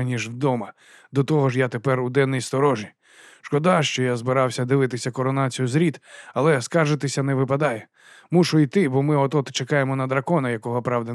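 A man's voice: mid-range voice, steady tone, fairly quick, dry recording, clean studio sound, natural voice. A male narrator voicing an earnest, dutiful young guard reading out his letter home.

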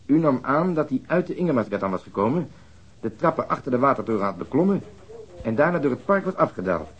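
An actor playing a methodical police detective questioning a witness in a radio drama, formal, matter-of-fact and probing. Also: male voice, medium pitch, sing-song, quick pace, slightly rough, muffled recording. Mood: measured, formal.

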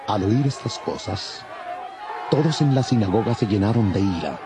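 A man narrating a dramatized audio Bible in a measured, formal way. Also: on the low side, animated, crowd noise, background noise.

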